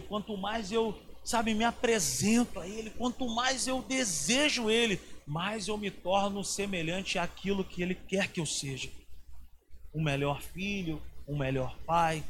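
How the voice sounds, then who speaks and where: A man's voice: high voice, a bit bright, slight background noise. A man from Rio, a pastor preaching an informal sermon in a colloquial, slangy storytelling manner with dramatic swings.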